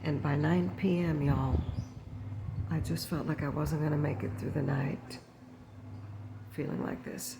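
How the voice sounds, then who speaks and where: A woman, telling a story in a soft, unhurried ASMR chat to viewers and drifting into whispers, while sitting at home. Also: low-pitched, fairly even intonation, vocal fry, noisy background. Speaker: ASMR channel host.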